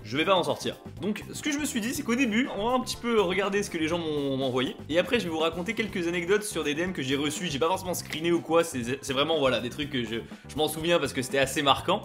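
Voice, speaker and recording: A young man talks straight to his viewers in a casual vlog, reading their messages aloud. He speaks very fast in a fairly high voice and flares into loud, playful outrage. Faint music plays underneath. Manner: animated, swings into loud mock outrage. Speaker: YouTuber.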